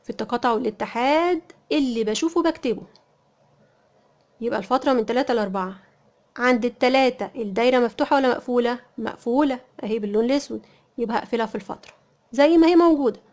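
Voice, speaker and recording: A quick-speaking woman with an Egyptian Arabic accent runs through a math lesson. Her voice sits a little high, and she keeps posing questions and answering them herself as she repeats each point. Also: a little mellow. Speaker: math teacher.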